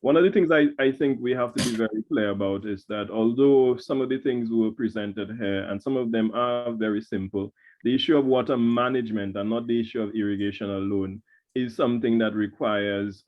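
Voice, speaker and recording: Lowish man on dull call audio. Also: brisk. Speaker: presenter. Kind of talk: explanatory talk in an online session.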